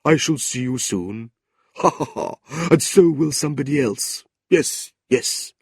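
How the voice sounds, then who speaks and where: A man's voice: medium pitch, big pitch swings, a little slow, mellow, breathy edge, no room sound, studio quality. A man voicing an odd, secretive clerk who cackles and whispers conspiratorially. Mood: whispering.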